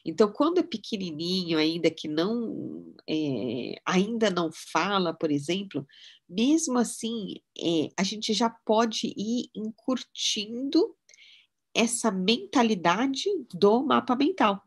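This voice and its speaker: A middle-aged woman, a mind-mapping instructor, giving a casual teaching talk with personal anecdotes in a chatty, relaxed way. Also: mid-range voice, takes it slowly, slightly rough. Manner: chatty, relaxed, often adds "né?" tags.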